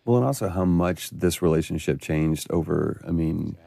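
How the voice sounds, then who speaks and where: A man's voice: sits low, normal speed, vocal fry, mellow, no room sound. A man, an actor, chatting enthusiastically on a commentary track and laughing easily. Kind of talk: casual commentary over cutscenes.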